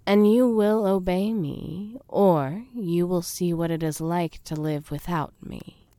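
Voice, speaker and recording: Woman as a fae queen, domineering, seductive, breathy whispers, slightly low voice, dry close sound. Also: mellow, no echo. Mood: seductive, menacing. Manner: slow, breathy whispering, commanding. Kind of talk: audio roleplay.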